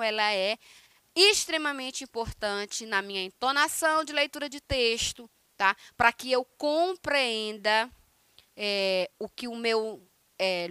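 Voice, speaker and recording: A woman's voice: sits high, pushed and bright, no echo. A woman with a Brazilian Portuguese accent teaching an online Spanish class, explaining step by step and checking in with her students. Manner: explanatory, keeps checking in with listeners.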